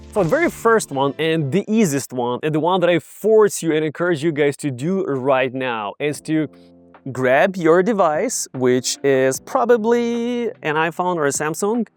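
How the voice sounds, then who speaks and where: Upbeat Ukrainian-accented man teaching English. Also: a little high. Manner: upbeat, direct, addresses viewers as "you guys". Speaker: English tutor. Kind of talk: casual teaching to camera.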